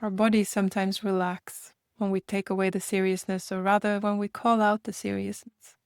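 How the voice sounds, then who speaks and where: A woman leading a guided meditation in a gentle manner, speaking in unhurried invitations with long pauses. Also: mid-range voice, little pitch movement, clear, resonant tone, dry recording, studio quality.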